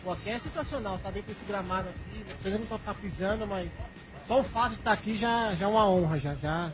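A man, a radio listener and fan, being interviewed live on a stadium pitch, excited and casual with slang. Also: quick pace, over music.

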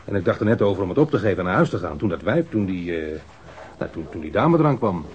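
An actor playing a defensive, rough-mouthed street robber under police questioning in a radio crime drama, slangy and halting. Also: male voice, low voice, sing-song, a little mellow. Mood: earnest, insistent. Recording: dull lo-fi radio drama recording.

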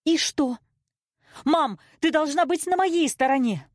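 A woman's voice: mid-range voice, sing-song, normal speed, no room sound, studio quality, pitched above the performer's own voice. A woman voicing a hurt, defiant twenty-year-old daughter in an audiobook, indignant and emotional. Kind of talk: audiobook character acting.

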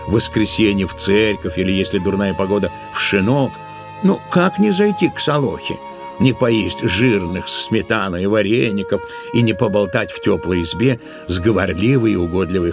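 A man narrating a literary tale as an audiobook storyteller, expressively and with playful, wry intonation. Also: fairly low pitch. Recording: studio audio drama with music behind. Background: music.

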